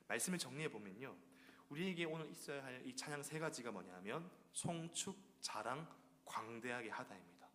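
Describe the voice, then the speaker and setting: A male preacher delivers a sermon in a church, his voice lively and swooping in pitch. He leans on rhetorical questions to draw the congregation in. A long reverb from the sanctuary trails after his words. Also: slight background noise.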